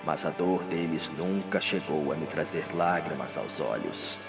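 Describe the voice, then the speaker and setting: Man voicing a deep, slow, dying old confessor. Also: animated, vocal fry, distant mic, over music, heavily acted. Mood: solemn, sorrowful. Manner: slow, drawn-out, grave delivery. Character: Radamés, dying old confessor, morbid, solemn and sorrowful. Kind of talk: audio drama monologue.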